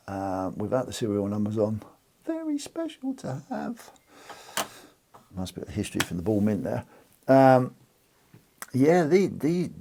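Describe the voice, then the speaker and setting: A man's voice: on the low side, dark tone. A British man hosting a precious metals channel, chatting casually and rambling with lots of restarts. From United Kingdom. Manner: rambling, restarts and fillers, informal. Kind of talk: casual chat to camera.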